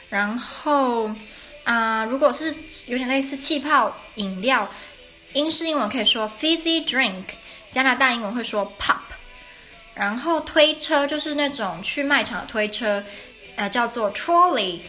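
A woman hosts a relaxed podcast lesson on English pronunciation, audibly tired and pausing on fillers as she goes. Her voice is bright and crisp and sits a little high. Faint music plays quietly underneath. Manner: tired, unhurried, with many fillers and restarts. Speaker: podcast host teaching English phonetics. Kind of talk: casual spoken lesson.

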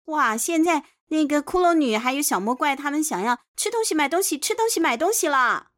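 High-pitched Taiwanese woman telling bedtime stories. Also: expressive, a little fast, fairly bright tone. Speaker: children's storyteller, podcast host. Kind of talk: expressive bedtime story narration with playful asides. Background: clear background music.

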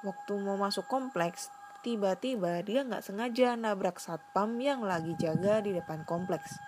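A woman's voice: medium pitch, natural voice. A woman voicing a slangy, teasing young female friend telling a local ghost story, over a noisy recording. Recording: noisy background hiss.

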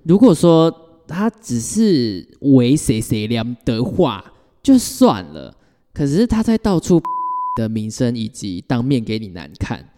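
A man's voice: mid-range voice, wildly swooping pitch, a little slow, dark tone, in a large hall. A man co-hosting a casual podcast, reacting bluntly and giving strong opinions with mild swearing. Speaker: podcast co-host. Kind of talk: casual chat.

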